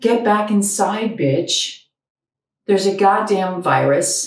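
A woman speaks in a somewhat breathy voice. Room echo is audible. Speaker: comedian. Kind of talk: stand-up comedy monologue. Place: home room. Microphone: phone near.

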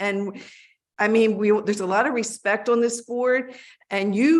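A woman with a Philadelphia accent talks at a fairly slow pace. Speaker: board chair. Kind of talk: board meeting remarks.

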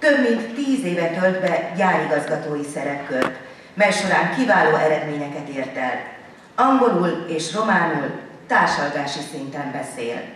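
A woman speaks at a fairly slow pace through strong room echo and light background noise. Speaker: announcer. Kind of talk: reading aloud. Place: hall.

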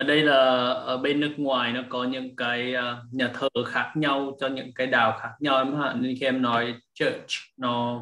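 With audible room echo, a man in a Vietnamese accent speaks at a moderate pace in a monotone, flat intonation. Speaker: class organizer and interpreter. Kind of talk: online conversation class. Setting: video call. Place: home room. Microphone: video call.

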